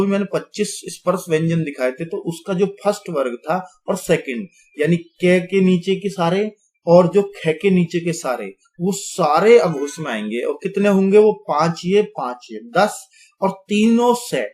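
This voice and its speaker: A man's voice: high voice, animated, normal speed, darkish tone. A man teaching grammar, explaining step by step, checking in with his viewers often and saying sounds aloud to demonstrate them. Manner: explains step by step, repeating "theek hai" and addressing viewers as friends; demonstrates sounds aloud while pointing at written letters. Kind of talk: classroom-style explanation to viewers.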